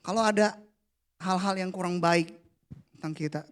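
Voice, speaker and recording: A man, preaching a casual, playful youth sermon that drops to a hush for the prayers. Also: high voice, normal speed. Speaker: youth pastor. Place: church hall.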